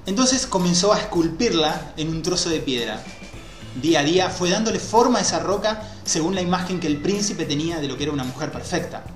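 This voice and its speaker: Man in his thirties, headset mic, roomy echo, faint music behind, animated explaining. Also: on the high side, fairly quick. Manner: animated, gesturing with both hands. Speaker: host. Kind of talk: explanatory talk on a video call. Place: small room with a white wall, indoors. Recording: echoey room with faint music.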